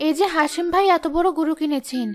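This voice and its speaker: Brief: a woman as a gentle village mother for a cartoon, very high voice. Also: brisk, natural voice. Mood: reassuring. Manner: soothing, reassuring. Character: kind village mother, patient and pious.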